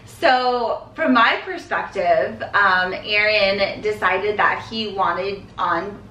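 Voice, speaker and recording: Bright-voiced woman chatting in an echoey room. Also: medium pitch, slow pace. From Rhode Island, USA. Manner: chatty, chimes in with short remarks. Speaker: podcast co-host. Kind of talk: casual chat. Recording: echoey room, mic at a distance, faint noise.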